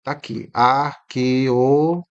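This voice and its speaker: A male exam-prep teacher talking through a commented test in a chatty way, often asking the viewer "right?" and slowly sounding out words to show how they are said. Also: mid-range voice, fairly even intonation, clear, resonant tone, highs cut off. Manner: frequent tag questions to the viewer.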